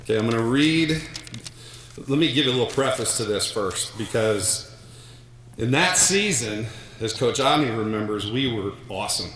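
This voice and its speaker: A man's voice: mid-range voice, animated, moderate pace, fairly bright tone, slight background noise. Man rambling through a speech in an echoey hall. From United States. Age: middle-aged. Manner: rambling storyteller with many restarts. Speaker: hall of fame inductee giving a speech. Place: large hall.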